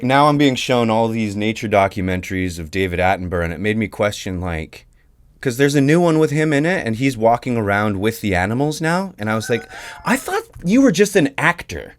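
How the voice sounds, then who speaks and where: A man's voice: medium pitch, animated, moderate pace, no room sound. A man co-hosting a podcast, chatting in a laid-back way. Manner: laid-back, lots of agreeing. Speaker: podcast co-host. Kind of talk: casual podcast chat.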